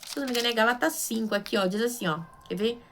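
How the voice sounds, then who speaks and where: A woman's voice: fairly high pitch, racing, a little hiss or hum. A woman with a Brazilian Portuguese accent preaching informally as a missionary, conversational and emphatic, often asking rhetorical questions and checking in with her listeners. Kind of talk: informal Bible sermon.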